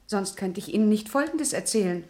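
A woman's voice: medium pitch, expressive, fairly quick, dark tone, natural voice. An actress playing a poised female witness, polite, precise and coolly accusing, in a German radio crime drama. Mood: cool, composed.

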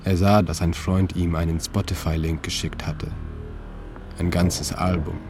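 A man reading his own literary narration in a calm, measured way, with slow deliberate pauses. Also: deep voice. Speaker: narrator and author. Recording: narration over music.

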